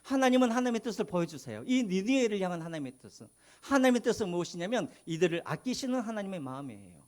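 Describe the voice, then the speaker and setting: High, lively Korean pastor preaching. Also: male voice, fast talker. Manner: asks the congregation questions and answers them himself. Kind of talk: sermon.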